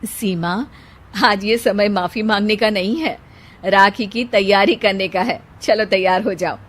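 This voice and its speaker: A woman voicing a gentle older sister. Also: mid-range voice, unhurried, close to an everyday voice. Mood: firm. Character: kind, self-sacrificing older sister. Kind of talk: storybook character voice.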